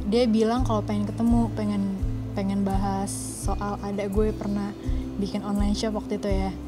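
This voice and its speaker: A woman, speaking in a subdued, regretful way. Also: mid-range voice. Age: 20s. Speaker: panel guest. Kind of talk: casual conversation. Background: music.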